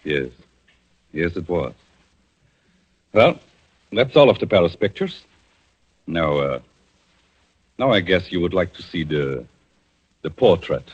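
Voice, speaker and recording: A man playing a calm, vengeful avenger in a 1940s radio drama, speaking in a measured, theatrical way on a dull old broadcast recording. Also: deep voice, husky, heavily acted. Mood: gentle guiding.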